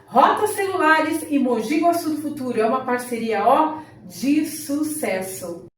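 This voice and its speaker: A Brazilian woman reads sponsor ads with an upbeat sales lilt. Her fairly high voice sits well back from the mic. A heavy roomy echo and a faint hiss hang around every line. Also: animated, recorded from a distance. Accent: Brazilian Portuguese. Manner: upbeat sales pitch with a drawn-out tagline. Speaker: podcast co-host reading sponsor ads. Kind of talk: scripted ad reading.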